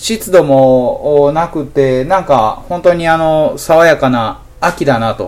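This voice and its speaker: Here a man speaks at a very slow pace. His voice sits fairly high. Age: 40s. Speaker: restaurant owner and podcast host. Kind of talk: casual solo monologue. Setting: office above restaurant.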